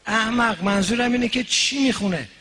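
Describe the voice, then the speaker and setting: A man's voice: sits high, bright, forceful tone, slightly rough, voice pushed up, exaggerated voice. A man doing a barking, suspicious interrogator. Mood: bullying. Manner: barking, accusing questions. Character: bossy male interrogator, suspicious and blustering.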